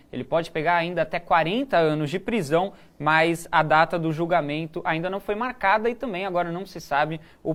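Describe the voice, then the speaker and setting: Chatty male news co-presenter, slightly high voice. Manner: relaxed, chatty, with frequent fillers and restarts. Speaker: newsroom co-presenter. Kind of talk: casual news chat.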